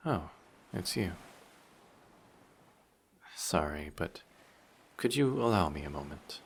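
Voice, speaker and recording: A man's voice: deep voice, very animated, slow pace, gravelly, a little hiss or hum, exaggerated voice. A man playing a handsome, vain, flirty sea monster posing as a passenger in a roleplay audio drama, with a polite, formal, teasing and self-assured manner. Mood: politely evasive.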